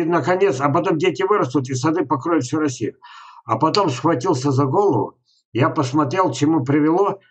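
A man in his sixties hosting a webinar, commenting casually during a phone call in a halting, rambling way. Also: medium pitch. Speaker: webinar host. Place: indoors at a home computer. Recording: slightly dull, lo-fi computer audio.

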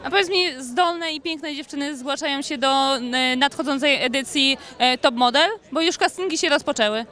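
A young woman reporter asks questions at an outdoor evening event, speaking into a handheld mic. Her voice is high and bright, and she sounds upbeat, with a few hesitant fillers. A faint crowd murmurs behind her. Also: normal speed. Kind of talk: red-carpet interview questions.

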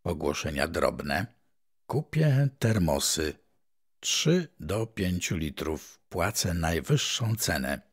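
Deep husky-voiced man reading the news. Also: sing-song. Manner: measured, announcer-like delivery. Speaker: professional voice-over reader and journalist. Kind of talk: reading old newspaper articles aloud.

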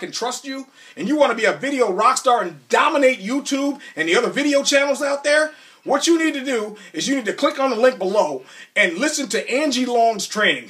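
A middle-aged man with a high-pitched voice delivers a motivational network marketing recruiter pitch. He exhorts the listener directly and emphatically. He is picked up by a camera microphone some distance away. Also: fairly bright tone. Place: small room at home, indoors. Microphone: camera or phone mic a few steps away.

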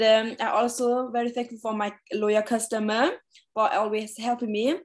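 A young woman from Sweden giving an informal personal testimonial on a video call in a halting, hesitant manner. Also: fairly high pitch. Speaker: seminar speaker.

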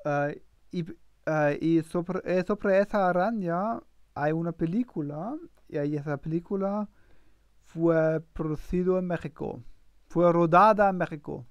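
A man live-streaming his language practice, speaking haltingly with constant fillers and restarts. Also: on the high side, smooth, dry recording, highs cut off.

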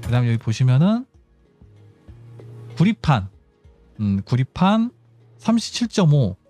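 A man's voice: medium pitch, very animated, unhurried, dark tone, faint music behind. A man giving casual game tutorial commentary, explaining step by step and thinking aloud as he goes. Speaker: gaming channel host.

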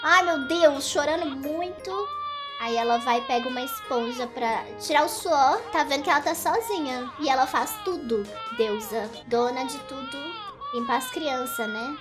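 A woman's voice: high voice, animated, normal speed. A young woman giving chatty, giggly commentary while playing a browser game. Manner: chatty, giggly, exclaiming, teasing. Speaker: gaming YouTuber. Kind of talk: casual gameplay commentary. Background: game music.

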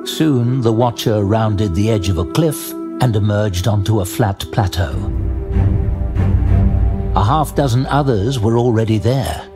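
A man narrating a fantasy story dramatically, in a measured, suspenseful and deliberate manner. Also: on the low side. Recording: loud music under the narration.

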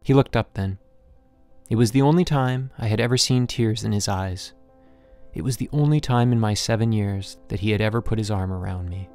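Gravelly low-voiced male audiobook narrator. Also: moderate pace, a little mellow, faint music behind. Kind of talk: scripted literary narration.

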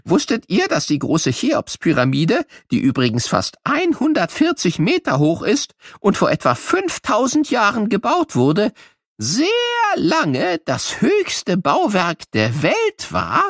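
Quirky old cartoon professor, very high swooping voice, playful and excitable, for kids' audio play. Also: male voice, no echo, clean studio sound, exaggerated voice. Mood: enthusiastic. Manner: playful, exclaiming, drawn-out words, invents silly words. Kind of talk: children's educational audio play.

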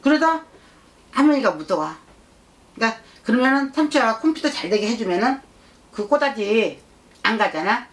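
A woman shaman channels a blunt little child spirit with a high voice that swings animatedly up and down. The speech is childish and nagging, circling back over the same words and pressing for agreement. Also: expressive, normal speed, pauses often, natural voice. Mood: earnest, nagging. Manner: childish, insistent, repetitive, scolding with prompting questions. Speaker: shaman fortune-teller. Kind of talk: shamanic consultation, speaking as a spirit.

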